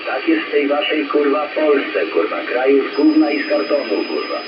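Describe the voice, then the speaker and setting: A man's voice comes through a CB radio, muffled and distant, with an echoey ring and loud music running underneath. He rants in a bitter, sneering tone and curses constantly. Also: fairly high pitch, animated, brisk. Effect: transmitted over CB radio. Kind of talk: angry rant.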